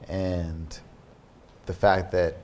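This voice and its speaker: Male guest, very deep voice, dark tone, thoughtful halting answers, faint hiss. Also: level tone. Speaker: artist guest. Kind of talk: interview. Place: studio.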